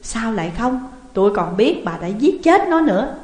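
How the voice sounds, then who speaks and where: A stern male exorcist who accuses in a steady, judge-like tone, as a woman narrator puts him on. Each question lands heavily and without pity. The voice echoes in a room with a long reverb. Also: a little high, moderate pace.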